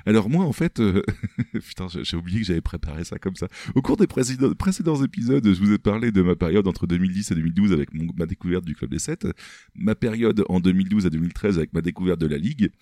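A man's voice: low-pitched, expressive, mellow, no echo. A man co-hosting a music podcast, chatty and reading from his notes. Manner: reads from notes, quick and chatty. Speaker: podcast co-host. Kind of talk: casual music podcast chat.

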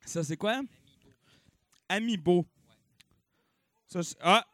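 Bellowing bids and cracking jokes, a young auctioneer with a Québécois French accent hosts a comedy-night auction with bouncy energy. His voice is high-pitched and he takes it slowly, captured in a dry recording.

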